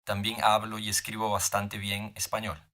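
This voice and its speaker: A man reading simple scripted dialogue for a beginner language lesson, slow and clear. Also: lowish voice, monotone, pushed and bright.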